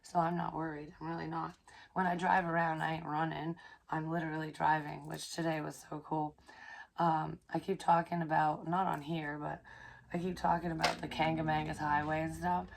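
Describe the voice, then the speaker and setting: A hoarse young woman, chatting casually in a rambling psychic vlog, swearing freely and filling pauses with ums. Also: deep voice, level tone. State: hoarse, recovering from illness. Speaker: psychic medium vlogger.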